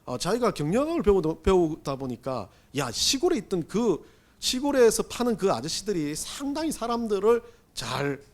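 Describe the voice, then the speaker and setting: A male pastor preaching a Sunday sermon in a high, bright-pitched voice that leaps up and down with lively, sweeping intonation. He talks to the congregation conversationally, firing off rhetorical questions, then drops to a hush before rising again. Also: moderate pace. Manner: swings between loud emphasis and hushed asides.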